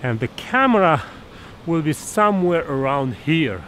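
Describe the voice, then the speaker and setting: A man's voice: a little high, sing-song. A man in his thirties giving a photography tutorial to camera outdoors by a snowy forest stream, explaining step by step with fillers and restarts, filmed at arm's length. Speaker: photography instructor. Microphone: camera held at arm's length. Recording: outdoor recording with stream noise. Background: rushing stream water.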